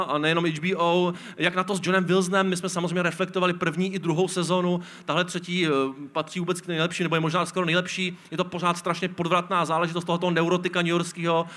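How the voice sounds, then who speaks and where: A man hosting a live podcast show on an outdoor stage. His voice sits high and sounds bright and forceful. He jokes and teases his co-hosts as he talks. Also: little pitch movement. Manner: joking, teasing co-hosts. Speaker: podcast host. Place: outdoor stage before an audience.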